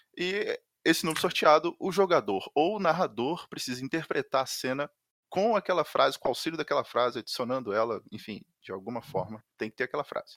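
Fairly high for a man, his voice swings very widely in pitch, with vocal fry and a fairly quick pace. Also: dry, close sound with no echo, very clean recording, silent background. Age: adult. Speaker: game master of tabletop RPG podcast. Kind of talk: RPG narration and casual chat.

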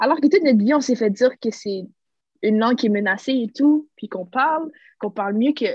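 With a Quebec accent, a woman speaks at a moderate pace with lively intonation. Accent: Québécois French. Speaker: university student. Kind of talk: casual interview chat.

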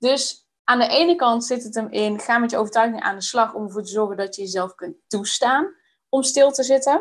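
Her fairly high voice moves at a fairly quick pace, with ordinary pitch variation and big swings in loudness, as this woman talks. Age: 30s. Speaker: coach for mothers, entrepreneur. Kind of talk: podcast interview. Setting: studio, in person with host. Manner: hesitant, many filler sounds.

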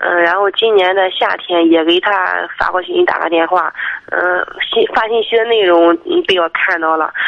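Clear background noise accompanies a woman talking at a medium speed. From Shandong, China (Jinan, Shanghe). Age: 20s. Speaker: caller. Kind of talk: call-in advice conversation. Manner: hesitant, many fillers.

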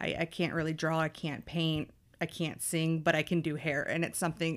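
Recorded very cleanly against a silent background, a woman speaks at a fairly low pitch. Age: 30s. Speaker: hairstylist. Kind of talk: casual chat.

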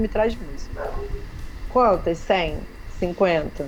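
A woman with a Rio de Janeiro accent over noticeable background noise. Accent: carioca (Rio). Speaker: artist manager. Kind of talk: casual interview.

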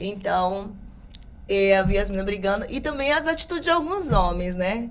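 A woman's voice with very wide pitch swings at a moderate pace, with audible room echo. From Pará, Brazil (Marabá / Parauapebas). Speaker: pastor and social media influencer. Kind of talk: casual interview chat.

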